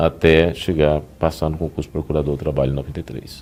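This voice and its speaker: This man has a very deep, low pitch. He speaks at a moderate pace. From Brazil, Natal (Rio Grande do Norte). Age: 60s. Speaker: labor prosecutor. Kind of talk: oral history interview. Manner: halting, with fillers.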